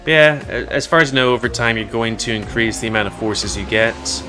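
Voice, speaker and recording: A gaming YouTuber offers casual, rambling, crude commentary while playing a video game, with game music in the background. His voice is mid-range and he speaks a little fast.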